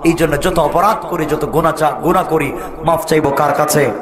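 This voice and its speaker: Give me a man with a Bangladeshi Bengali accent preaching a dramatic waz sermon, high-pitched, at an echoey gathering with a crowd. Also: normal speed. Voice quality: dramatic, shouting bursts, colloquial storytelling. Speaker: Islamic preacher.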